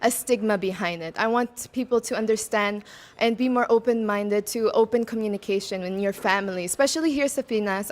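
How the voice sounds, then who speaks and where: A woman in her twenties who grew up in Macau, answering pageant interview questions in a bubbly way, laughing between answers and mixing in Tagalog words. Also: medium pitch. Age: 20s. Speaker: pageant candidate.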